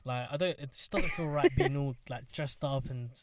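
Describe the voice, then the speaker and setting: A young man co-hosting a podcast in animated, jokey banter. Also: mid-range voice, normal speed. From England. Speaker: podcast co-host. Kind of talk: casual chat. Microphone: podcast mic, close.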